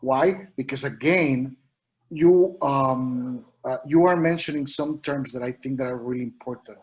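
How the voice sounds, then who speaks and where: A man from Mexico, speaking English as an on an online panel, earnest and halting with many restarts. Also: medium pitch, darkish tone. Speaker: educator panelist.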